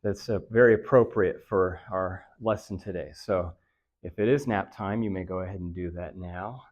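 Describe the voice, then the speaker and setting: Man, low voice, raspy, nasal, dry from allergies, monotone lecture delivery. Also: moderate pace, lo-fi sound. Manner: monotone, with frequent "uh" fillers. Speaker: presenter of a health lecture. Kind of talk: live lecture to a senior audience. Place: meeting room at a senior services center.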